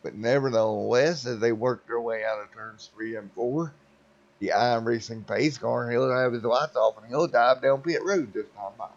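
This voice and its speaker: A man's voice: mid-range voice, normal speed, lo-fi sound. Folksy man calling a sim race. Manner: folksy, drawling, says "Mister" before drivers' names. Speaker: race commentator. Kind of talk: sim racing play-by-play commentary.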